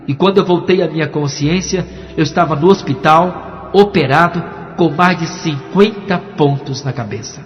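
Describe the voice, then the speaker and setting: A pastor gives his testimony with dramatic storytelling, moving between hushed and emphatic. His voice sits slightly high. It carries a long hall echo with a dull, muffled tone, and soft music plays beneath. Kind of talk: preached testimony. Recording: echoey, dull, music underneath.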